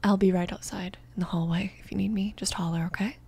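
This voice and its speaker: Female mafia boss, acted by a woman, soft and creaky, protective yet apologetic, hesitant ASMR romance delivery. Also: medium pitch, steady tone. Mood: soothing, protective. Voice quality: soft, creaky, breathy whispering at times. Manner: hesitant, reassuring, halting. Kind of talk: ASMR romance roleplay, often whispered.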